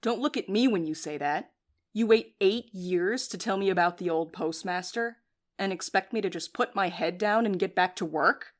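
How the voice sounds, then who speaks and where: A woman's voice: mid-range voice, moderate pace, lightly acted. A woman playing a blunt, defiant courier in an audio drama. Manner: blunt, confrontational.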